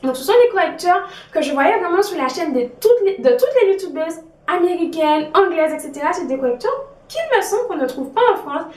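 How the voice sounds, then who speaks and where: A young woman chatting casually through a beauty haul, often filling pauses with "donc voilà". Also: extremely high pitch, lively intonation, a little mellow. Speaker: beauty vlogger. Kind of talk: casual product review. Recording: echoey room, a bit far from mic.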